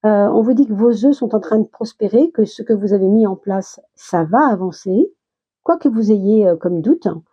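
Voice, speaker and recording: A woman talking through a tarot reading in a chatty, reassuring way, slowing down and restarting as she recovers from a small illness. Her voice is very dark and mellow, with a breathy, husky edge. The sound is a little dull, like a lo-fi home recording. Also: medium pitch, lively intonation. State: recovering from a minor illness, words slow. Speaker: tarot reader. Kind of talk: casual tarot reading for viewers.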